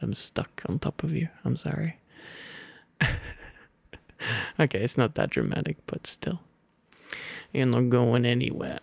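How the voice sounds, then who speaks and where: Sleepy gravelly British RP man. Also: medium pitch, measured pace, pauses often, no room sound. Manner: drowsy, soft and playful, with gentle whispers. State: sleepy and overfull. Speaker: ASMR roleplay boyfriend. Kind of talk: soft ASMR storybook reading and pillow talk.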